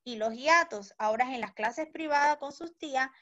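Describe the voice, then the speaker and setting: A woman teaching a recorded school lesson for children, sounding out syllables slowly and checking understanding with short questions. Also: sits high, pushed and bright, lo-fi sound. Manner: slow, deliberate, stretches and sounds out syllables.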